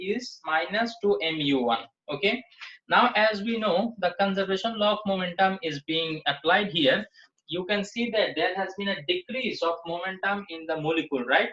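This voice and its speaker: A moderate pace in a Bengali accent. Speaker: physics teacher. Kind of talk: online class lecture.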